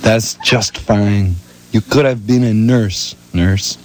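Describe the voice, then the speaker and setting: A man reads Cora, a woman in an avant-garde stage play, with a slow, flat, stilted delivery. The voice sits lower than his usual talk and is drawn out. It sounds like a comic sketch. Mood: languid. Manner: slow, flat, deliberately stilted line reading.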